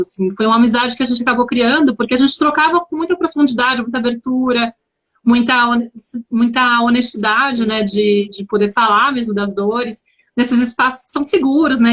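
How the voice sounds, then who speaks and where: A woman's voice: on the high side, brisk, fairly bright tone. A woman from Brazil with a São Paulo accent, chatting reflectively in a casual live-stream conversation. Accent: Brazilian Portuguese, São Paulo. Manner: reflective, chatty, many restarts. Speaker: guest.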